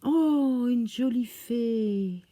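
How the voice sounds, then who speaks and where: A woman hosting a craft channel, gushing with oohs and exclamations as she slowly unpacks crafts in casual chat. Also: fairly high pitch, warm tone, no room sound. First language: French. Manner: slow, thinking aloud as she unpacks.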